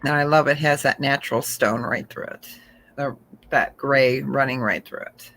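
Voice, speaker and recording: A woman's voice: extremely low pitch, fairly even intonation, normal speed, fairly bright tone, a little hiss or hum, rough recording. A woman hosting a live online jewelry auction, chatting casually as she describes each item and laughing often. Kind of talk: casual live sales chat.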